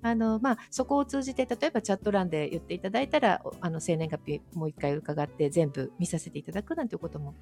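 A woman's voice: lowish voice, fast talker, creaky, few pauses, a little mellow. A woman being interviewed in a casual chat, polite and self-deprecating in the way she talks. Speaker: interview guest, audio channel personality. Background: background music.

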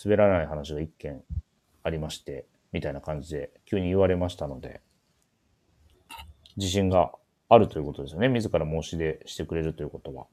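Deep-voiced, fast-talking Japanese radio host, a man. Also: mellow. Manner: polite, teasing. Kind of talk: casual radio show chat and announcements. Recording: remote connection audio.

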